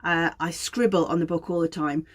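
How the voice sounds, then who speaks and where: Brisk and steady, with a lowish voice, a Black Country woman from Wolverhampton presents an informal educational talk. As an aromatherapy educator and host, she explains things to viewers chattily and self-deprecatingly.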